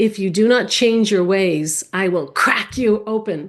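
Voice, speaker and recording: A woman uses a put-on character voice at a medium pitch, speaking at a fairly slow pace. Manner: strong, forceful, threatening.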